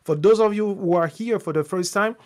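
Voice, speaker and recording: A man's voice: high voice, fairly quick, darkish tone. A man whose first language is French, hosting a live-streamed tech talk in English, speaking off the cuff with restarts and fillers while greeting viewers. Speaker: host.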